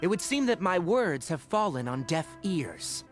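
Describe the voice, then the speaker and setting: An actor playing an earnest, defiant young scholar and guardian in a video game. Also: male voice, sits high, sing-song, measured pace, faint music behind. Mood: stern, defiant.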